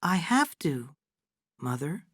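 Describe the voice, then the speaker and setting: A woman reading aloud, voicing a young woman who speaks softly and with restraint. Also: low-pitched, big pitch swings, slow pace, no room sound, studio quality, pitched above the performer's own voice, exaggerated voice. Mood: gentle. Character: young woman, gentle daughter turning cold.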